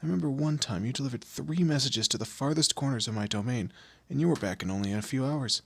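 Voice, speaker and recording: A man playing a commanding, teasing demon lord in an audio roleplay, with a low gravelly, husky voice and an imperious, theatrical manner. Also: fast, no echo. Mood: measured praise. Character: male demon lord, commanding, menacing, teasing boss of hell. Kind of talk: scripted audio roleplay addressed to the listener.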